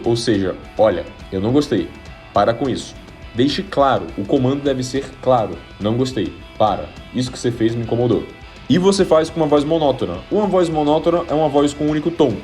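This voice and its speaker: Guy explaining stuff to viewers, direct, mid voice, quiet music under it. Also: medium pitch. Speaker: self-improvement coach. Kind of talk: instructional video talk.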